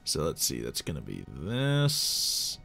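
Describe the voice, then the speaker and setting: A man's voice: rumbling low, wildly swooping pitch, slow pace, gravelly, sharp tone. A man chatting casually as he runs a tabletop roleplay game as game master.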